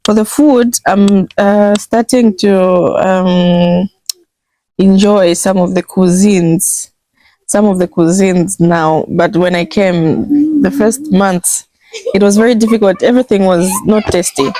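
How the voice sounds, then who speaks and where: A young woman from Zambia answering interview questions thoughtfully, pausing and laughing softly. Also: mid-range voice, low-quality recording. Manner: slow and thoughtful, with pauses and soft laughs. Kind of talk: casual interview.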